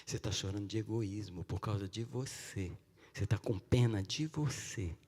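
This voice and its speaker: A man preaching a sermon in a church, swinging from loud cries to hushed pleading. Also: fairly low pitch, normal speed. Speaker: pastor. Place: church sanctuary. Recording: long church-hall reverb.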